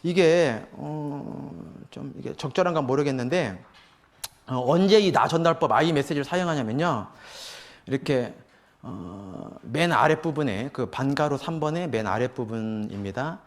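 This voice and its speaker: A man's voice: mid-range voice, lively intonation, moderate pace. Korean man teaching a church class. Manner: explains steps, acts out a mother's lines. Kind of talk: Bible class lecture.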